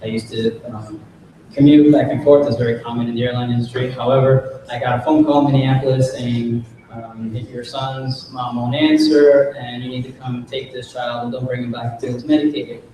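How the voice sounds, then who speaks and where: A chatty man of Cuban heritage tells his own story with quick, joking asides. His voice sits at an everyday pitch and sounds far from the mic, in a very echoey hall. Light room noise runs underneath. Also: flat delivery, dark tone. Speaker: panel speaker, parent. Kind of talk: personal story at a symposium.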